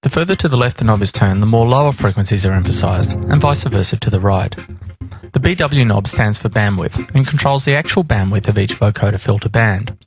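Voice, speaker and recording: A man reading scripted instructional narration in a measured, explanatory manner. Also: on the low side, over music. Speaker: tutorial narrator.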